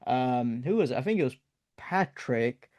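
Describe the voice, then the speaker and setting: A man hosting a client interview, upbeat and quick to laugh as he talks with his guest. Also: mid-range voice, lively intonation, darkish tone, no room sound. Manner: upbeat, laughs often, friendly praise. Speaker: interview host, business coach.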